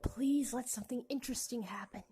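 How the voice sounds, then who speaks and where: Woman as young boy, high voice, glum, subdued, polite, storybook drama. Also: a little fast, dark tone, soft background music, natural voice. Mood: pleading. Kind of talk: dramatic audiobook character acting.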